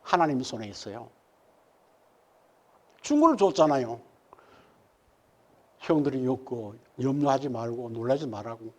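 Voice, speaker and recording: A man's voice: big pitch swings, a little slow, pauses often. A male pastor, preaching a sermon and firing rhetorical questions at the congregation. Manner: swings from loud emphatic peaks to low murmured asides. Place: church sanctuary.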